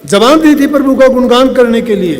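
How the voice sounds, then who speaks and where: High-voiced man preaching in a reverberant hall. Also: animated, brisk, darkish tone. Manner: exhorting, acts out quoted dialogue. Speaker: satsang preacher. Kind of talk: devotional sermon with told stories.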